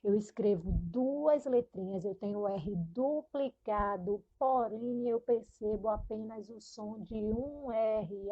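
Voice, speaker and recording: A woman teacher giving a recorded lesson to children, speaking slowly and patiently, repeating sounds and asking questions, with a Brazilian Portuguese accent. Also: fairly high pitch, dark tone, slightly rough, lo-fi sound. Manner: slow, patient, repeats syllables and asks questions. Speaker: primary school teacher.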